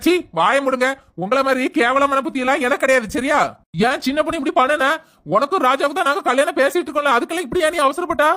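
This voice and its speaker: A woman's voice: high voice, a bit bright. A woman voicing a protective elder sister who answers back defiantly. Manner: brisk, defiant. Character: protective elder sister Vadivu, quick-tempered.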